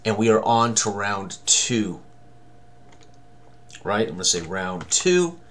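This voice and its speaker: A man in his sixties with a fairly low voice presents a tabletop game walk-through. He speaks casually and thinks out loud, half to himself, with mild exclamations. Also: sing-song, takes it slowly. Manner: talks to himself, exclaims mildly.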